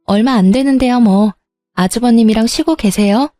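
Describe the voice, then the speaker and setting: A woman narrating a dramatized story in a calm, steady manner and voicing herself in it. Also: a little high, moderate pace, faint music behind.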